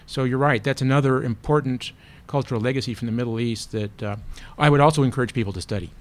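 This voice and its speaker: A man's voice: medium pitch, fast talker. A man, a professor on a panel, answering audience questions thoughtfully with frequent fillers and restarts, at a table microphone in a small seminar room.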